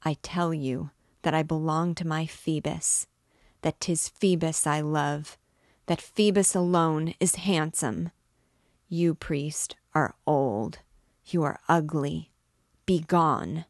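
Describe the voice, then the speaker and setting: Woman doing a scared but defiant gypsy girl, shrill and scornful, slow. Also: steady tone, dry recording, clean studio sound.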